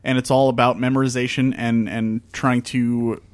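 A man's voice: mid-range voice, level tone, moderate pace, clean tone, dry recording. A man with a New Jersey accent hosting a gaming podcast, bantering, teasing and laughing with his co-hosts. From US East Coast. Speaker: podcast host. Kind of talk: casual chat.

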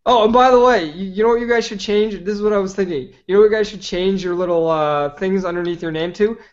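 High-voiced opinionated man, rambling. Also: quick pace. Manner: opinionated, talks at length with many "like"s. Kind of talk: casual chat. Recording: slightly dull lo-fi audio.

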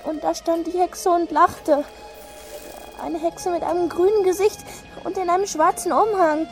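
A man's voice: extremely high pitch, fairly even intonation, moderate pace, soft background music. A scared young boy Jeremy. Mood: fearful recounting. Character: frightened young boy telling of a witch. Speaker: child character Jeremy. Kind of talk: German radio drama acting.

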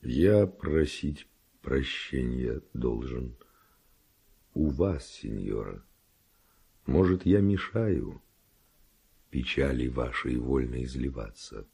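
An actor playing a bold, passionate Spanish nobleman and seducer in a verse radio drama, declaiming ardently in a gravelly, husky voice. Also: very deep voice, lively intonation, slow pace, pauses often, mellow, heavily acted. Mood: reverent, ardent.

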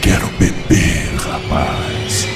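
An actor playing an insolent, rowdy male spirit craving drink in a radio drama, shouting aggressively and demandingly. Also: low-pitched, very slow, loud music behind the voice.

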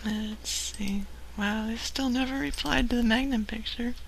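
A woman co-hosting a prank-call show in casual chat, talking in a dry, low-key way and sometimes dropping to a murmur. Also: steady tone, unhurried, gravelly, slight background noise, poor audio. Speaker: co-host.

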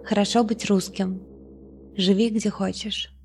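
A woman reading an audiobook in a calm, measured first-person narration. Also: medium pitch, background noise.

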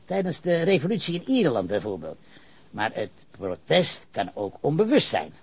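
A man's voice: a little high, wildly swooping pitch, moderate pace, slightly rough, dry recording, exaggerated voice. An actor playing an evasive, argumentative, pedantic male witness with leftist ideals in a radio drama. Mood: earnest, argumentative.

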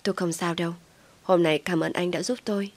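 A woman voicing a distraught young mother who cries out in shrill outbursts. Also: fairly quick, natural voice. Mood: subdued.

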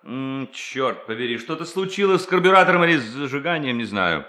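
A man acting in a radio play as a charming, glib, scheming young bank clerk, with a jovial, flattering, theatrical manner. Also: mid-range voice, fairly quick. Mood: brisk, feigned annoyance.

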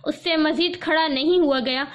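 High-voiced woman reading a novel aloud. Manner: steady storytelling. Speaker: narrator. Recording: slightly dull audio.

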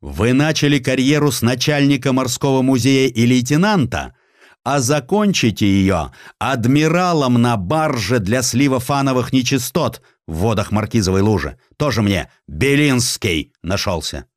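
A man voicing an irate, haughty grand-ducal admiral who scolds with slow, bellowing contempt in an audiobook. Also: medium pitch, animated, dry recording, studio quality, voice pushed up, close to an everyday voice. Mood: furious contempt. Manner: bellowing, drawn-out contemptuous delivery. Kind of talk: dramatized audiobook.

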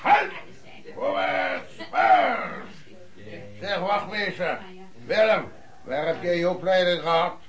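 A man's voice: high voice, very animated, slow pace, pauses often, fairly bright tone, full character voice. An actor in a Dutch radio play voicing a blustering, indignant old ex-military man who gives commands and curses. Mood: indignant, commanding. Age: older. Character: blustering old ex-military man, barking at his superiors' lessers.

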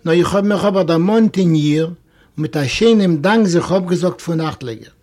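Man, high voice, reading a classic story aloud, expressive storytelling, animated exclamations. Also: a little fast. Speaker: reader.

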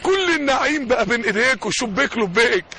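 A young Egyptian man preaching an impassioned sermon, building fervently and shouting out key lines. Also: very high-pitched, animated, quick pace, slight background noise. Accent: Egyptian Arabic.

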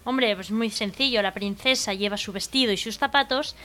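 A woman telling jokes on a local radio comedy show with brisk delivery. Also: mid-range voice, pushed and bright.

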